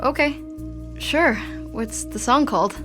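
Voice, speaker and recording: A woman's voice: high voice, unhurried, over music. A woman playing a headstrong, eager, youthful teenage Latina girl in an audio drama. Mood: shy, smitten. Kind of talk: scripted audio fiction acting.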